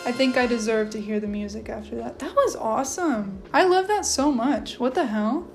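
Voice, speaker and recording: A young woman in her twenties chatting to camera at home, animated and excitable, full of filler words. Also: on the high side, moderate pace, over music. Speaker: language-learning vlogger. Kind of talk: casual chat to camera. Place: living room at home.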